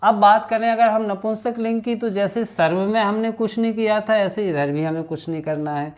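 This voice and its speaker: A man teaching a grammar lesson, reciting word forms in a slow chant and talking to his students as children. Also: sits high. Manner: addresses students as children, frequent "thik".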